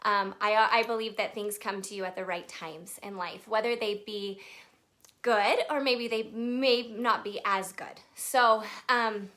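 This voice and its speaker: A woman's voice: mid-range voice, fairly even intonation, a little slow, fairly bright tone. A young woman from Texas telling her life story on a casual live video, chatty and full of fillers, greeting viewers as they join. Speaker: makeup brand artist hosting a live video.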